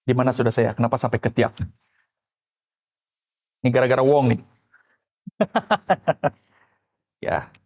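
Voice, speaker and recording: Speaking slowly with long pauses in a mid-range voice, a male pastor preaches, shifting from loud outbursts to hushed asides and impersonating those he quotes.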